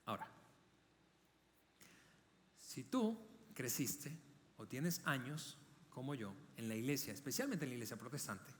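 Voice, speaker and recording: A man's voice: mid-range voice, big pitch swings, a little slow, long pauses, a bit bright, slight background noise. A man, preaching a sermon as a pastor in an earnest, conversational way, often repeating words and asking the listeners questions. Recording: long hall reverb.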